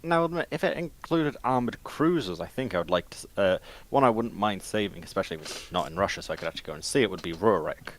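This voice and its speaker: A man chatting casually as a panelist, phrasing his thoughts in a halting, thoughtful way. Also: lowish voice, animated.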